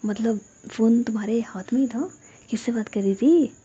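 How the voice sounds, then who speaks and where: A woman's voice: a little high, normal speed, dark tone, breathy edge, highs cut off. A woman voicing a playful young woman in love, with a dramatic, sulky way of talking.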